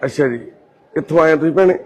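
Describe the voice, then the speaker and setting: A man, a charity volunteer, who gently questions families and reassures them. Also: fairly high pitch, fast. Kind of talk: casual conversation.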